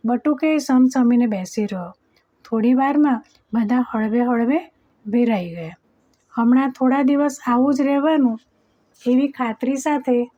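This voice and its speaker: A woman narrates a storybook chapter in a mellow, warm voice that sits slightly high. She slows down to voice the characters in the dialogue. The recording is dull and lo-fi. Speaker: audiobook narrator.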